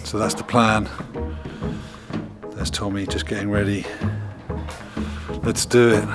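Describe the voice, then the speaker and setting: Middle aged guy doing a laid back build vlog in a barn, lowish voice, music behind him. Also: flat delivery, slow pace. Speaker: vlogger building a recording studio in a barn. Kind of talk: casual handheld video diary. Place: large barn under construction, indoors. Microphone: handheld camera at arm's length.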